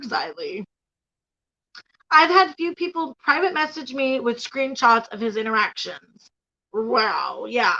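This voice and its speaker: A woman hosts a casual YouTube commentary stream, reacting bluntly and profanely and laughing often. Her voice is high-pitched and a bit bright, and the lo-fi recording sounds slightly dull.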